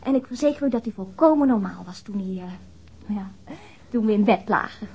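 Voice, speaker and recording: Candid woman witness, mellow tone, husky, flirtatious, matter-of-fact, halting, radio drama dialogue. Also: mid-range voice, expressive, dull audio. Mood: frank, insistent.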